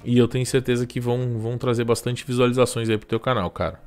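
A man in his thirties with a Brazilian Portuguese accent, giving relaxed, chatty channel advice on a live stream and tossing in quick tag questions. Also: medium pitch, smooth. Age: 30s. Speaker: YouTube growth coach hosting a live stream.

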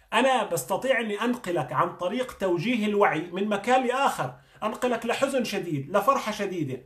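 A man's voice: high-pitched, a bit bright. A man, a doctor giving a motivational talk, earnest and coaching, firing questions at the listener. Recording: echoey room.

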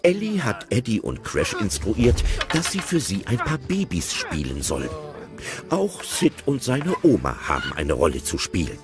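A man narrating an audio play with expressive, playful commentary. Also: lowish voice, moderate pace, music in the background.

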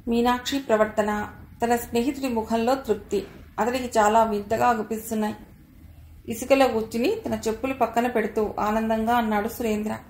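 A woman narrating an audio story in a measured, even reading voice that sits fairly high. The recording is roomy and echoey, with a faint noise underneath.

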